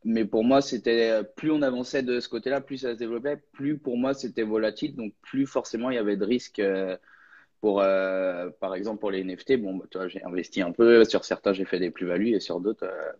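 A man's voice: on the low side, fairly even intonation, fairly quick, darkish tone. A young man, a guest content creator, talking casually and hesitantly on a live stream. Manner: hesitant, lots of fillers and restarts, laughs easily. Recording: lo-fi online audio.

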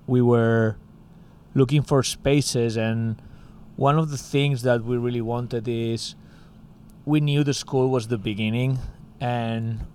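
A man's voice: medium pitch, fairly even intonation, slow pace, a little mellow, a little hiss or hum. A man from Spain with a Spanish accent, chatting casually as a music school co-founder and filling his talk with "like" and "you know". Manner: rambling, heavy use of "like" and "you know". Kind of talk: casual interview chat.

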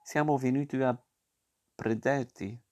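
A man's voice: medium pitch, steady tone, unhurried, darkish tone, close to an everyday voice. A man reading a storybook aloud and voicing a big black rabbit undertaker who speaks grimly and matter-of-factly.

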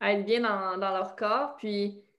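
A woman's voice: mid-range voice, steady tone, unhurried, fairly bright tone. A woman with a Quebec French accent interviewing in a casual, encouraging way, dropping English slang into her French. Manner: supportive, encouraging.

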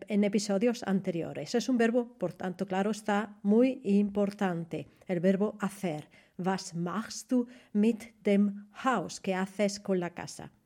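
Slow, careful woman teacher. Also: mid-range voice, mellow. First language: Spanish. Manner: slow, careful modelling of example phrases. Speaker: German teacher. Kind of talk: podcast language lesson.

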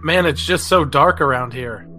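Male roleplayer with a fairly high voice, breezy and informal, joking delivery over clear music. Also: moderate pace. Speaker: tabletop game player. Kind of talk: casual, joking in-character roleplay. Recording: loud music bed behind the voice.

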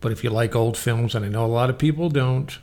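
A man's voice: mid-range voice, quick pace, dark tone. A man hosting a radio show, giving film review commentary that moves between scripted and casual talk.

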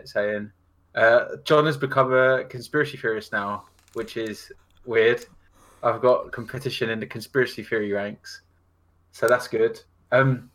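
A man's voice: medium pitch, a bit bright, rough recording. A man co-hosting a casual video podcast, fidgety and joking, laughing in the middle of sentences. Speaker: podcast co-host.

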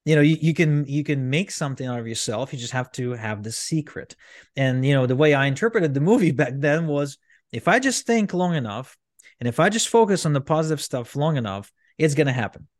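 A man's voice: a little high, lively intonation, brisk, no room sound. Guy from ukraine, guest on a podcast, rambles, lots of um and restarts, dry close sound. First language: Russian. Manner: rambling, frequent restarts and fillers. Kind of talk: candid storytelling interview.

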